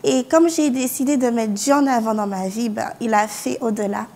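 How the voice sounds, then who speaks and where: A fairly high-voiced young woman from France shares her faith testimony. She speaks earnestly, restarts her sentences often and breaks into small laughs. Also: steady tone, moderate pace, darkish tone. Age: young adult. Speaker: university student giving testimony. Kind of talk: spoken personal testimony.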